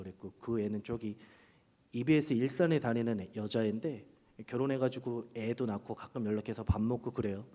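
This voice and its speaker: A man preaching a sermon to his congregation, telling personal stories with humor and lively animation. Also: mid-range voice. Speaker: pastor. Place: church sanctuary during a worship service. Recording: long reverb of a large hall.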